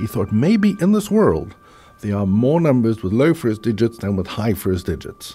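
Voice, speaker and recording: Music plays behind a man who speaks in a South African accent at a medium pitch and a moderate pace, his pitch swinging very widely. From Cape Town, South Africa. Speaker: business school associate professor.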